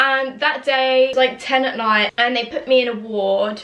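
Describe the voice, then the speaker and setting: Amid noticeable background noise, a woman speaks at a moderate pace with a high pitch. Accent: English. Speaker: vlogger. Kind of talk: storytime vlog. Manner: casual, filler-heavy.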